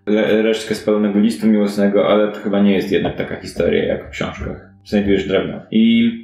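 Low-voiced man running a roomy tabletop game. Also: expressive, brisk, vocal fry, mellow. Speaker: game master. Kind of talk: improvised narration of a fantasy detective tabletop game. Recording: roomy echo, audible background noise.

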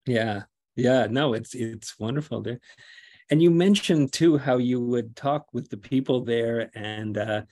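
A man's voice: medium pitch, unhurried, darkish tone. Older man asking rambling interview questions. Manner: chatty, asks long rambling questions, frequent affirming. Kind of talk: conversational interview over video call. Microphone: video call.

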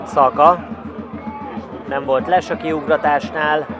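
A man giving excited sports commentary on a football match, raising his voice as chances develop. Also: a little high, dull audio. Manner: excited, rising to shouts at chances. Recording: crowd noise behind, outdoor stadium. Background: crowd at an outdoor football ground.

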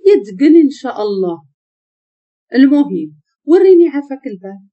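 A woman with a Moroccan accent voicing a frightened young woman psychiatrist, pleading through tears in a husky voice. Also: high voice, sing-song, moderate pace. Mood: flustered. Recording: muffled lo-fi recording.

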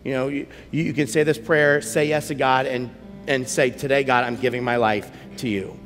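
Middle-aged pastor preaching in a reverberant hall. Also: male voice, medium pitch, steady tone, normal speed. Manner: earnest, repeats words, rises to urgent emphasis. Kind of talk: sermon. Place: large church stage with a band. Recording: long hall reverb with soft guitar.

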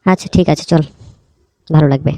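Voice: medium pitch, steady tone, a little fast, warm tone, no room sound, close to an everyday voice. A performer voicing a broke, pleading cartoon friend who talks in a casual, chummy, coaxing way. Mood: friendly, nostalgic. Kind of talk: cartoon dialogue.

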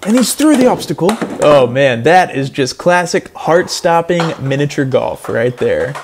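A man giving earnest, deadpan play-by-play as a mock golf commentator in a parody sports broadcast. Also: fairly high pitch, unhurried, a little hiss or hum. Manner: earnest play-by-play, building to excited outbursts.

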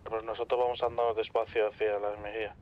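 A man's voice: fairly low pitch, level tone, fast. A man talking casually as a fellow player in an online roleplay game. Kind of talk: casual radio-style roleplay chat. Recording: muffled voice chat with background noise.

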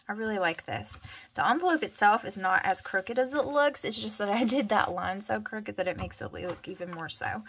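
A woman's voice: mid-range voice, fairly bright tone, slight background noise. A woman with a thick Southern accent chatting casually through a craft tutorial, muttering and mumbling with rambling asides. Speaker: crafter vlogger.

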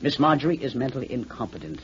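An actor playing a stubborn, short-tempered doctor, brusque and emphatic, in a 1940s radio drama. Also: male voice, medium pitch, big pitch swings, fast talker, fairly bright tone. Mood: indignant. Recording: muffled, noisy 1940s radio recording.

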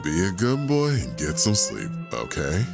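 A man playing a gentle, courteous adult werewolf doctor and father in an audio drama, speaking tenderly and politely. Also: deep voice, huge pitch swings, unhurried, creaky, over loud music, heavily acted. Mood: fatherly. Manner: tender, polite, soft-spoken storyteller.

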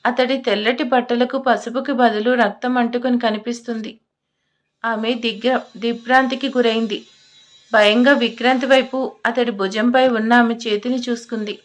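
A woman's voice: on the high side, steady tone, moderate pace. A woman narrating a romantic audio story in an emotive, scripted storytelling manner.

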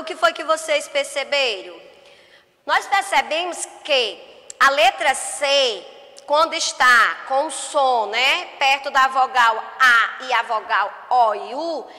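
Brazilian teacher lady, high voice, slow and patient with little kids, lots of reverb. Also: sharp tone. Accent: Brazilian Portuguese. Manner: patient, drawn-out words, spelling sounds slowly for children. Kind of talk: remote lesson for first graders.

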